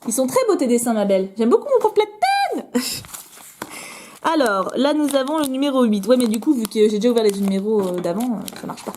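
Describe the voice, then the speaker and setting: A young woman chatting excitedly as she opens fan mail at home, with many fillers. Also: fairly high pitch, slight background noise. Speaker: vlogger opening fan mail. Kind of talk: casual unboxing chat.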